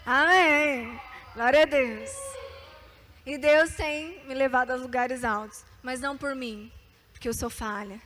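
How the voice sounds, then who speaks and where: High-voiced young woman preaching to youth. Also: normal speed. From Brazil. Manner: animated, calls for amens and repeat-after-me. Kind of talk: sermon with testimony.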